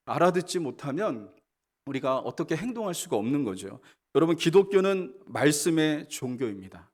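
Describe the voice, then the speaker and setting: Male pastor with a slightly high voice, animated storytelling sermon that speaks to the congregation. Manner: storytelling, animated delivery, addresses congregation directly. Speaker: senior pastor.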